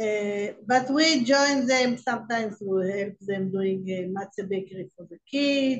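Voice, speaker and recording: A woman with an Israeli accent speaks at a fairly slow pace and a fairly high pitch, with ordinary pitch variation and a somewhat breathy sound. Her loudness swings widely, and she hardly pauses. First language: Hebrew. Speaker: rabbi's wife and community leader. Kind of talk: interview. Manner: halting.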